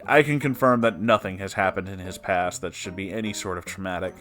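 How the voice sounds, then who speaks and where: A man who narrates online stories reads a written personal account aloud, breaking in now and then with short comments of his own. His voice sits low and fairly bright, his pace a little fast, with faint music playing behind him.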